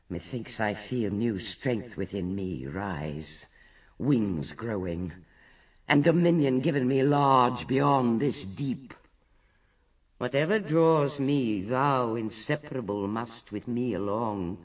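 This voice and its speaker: An actor playing Sin, an ambitious, scheming spirit of hell, in grand declamatory verse for a radio drama. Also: male voice, medium pitch, recorded from a distance. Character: Sin, ambitious infernal offspring of Satan, eagerly scheming.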